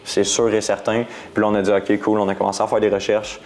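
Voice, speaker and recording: A young man with a Quebec French accent talks in a lowish voice. He rambles casually through his story in an interview, full of slang and English words mixed into his French. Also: level tone, quick pace, darkish tone. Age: 20s. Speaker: guest entrepreneur.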